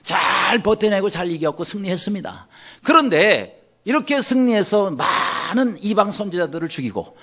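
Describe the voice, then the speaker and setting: Male pastor preaching, high lively voice, asks the congregation questions. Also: normal speed. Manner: acts out anguished quoted pleas in a raised voice. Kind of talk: sermon.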